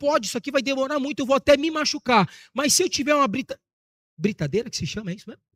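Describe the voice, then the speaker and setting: Very fast, lively speech from a man with an extremely high pitch, the sound dry and close with no echo. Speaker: preacher. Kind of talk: sermon.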